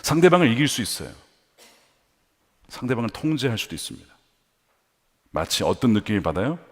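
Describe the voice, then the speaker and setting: Animated male pastor in reverberant hall. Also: mid-range voice, fairly quick. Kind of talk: sermon. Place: church sanctuary.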